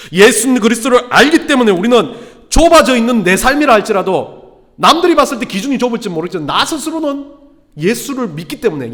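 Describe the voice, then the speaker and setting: A pastor in his thirties delivers a sermon with self-deprecating humor, his voice pitched high and swinging widely as he builds to emphatic points. He speaks in a church sanctuary with long hall reverb around him. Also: fairly bright tone.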